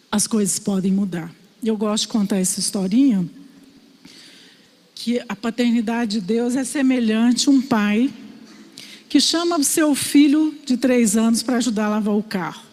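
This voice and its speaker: A woman from Brazil preaching a sermon, telling stories in a lively storyteller's way. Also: on the high side. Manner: storytelling, animated voices for quoted father. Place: church hall. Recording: reverberant church hall.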